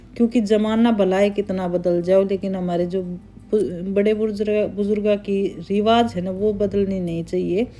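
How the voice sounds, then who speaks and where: A woman speaks with a Haryanvi accent at a medium pitch. Her intonation stays flat and monotone. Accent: Haryanvi dialect, unchanged. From Haryana, India. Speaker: housewife vlogger. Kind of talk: casual vlog chat while doing chores. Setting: home kitchen.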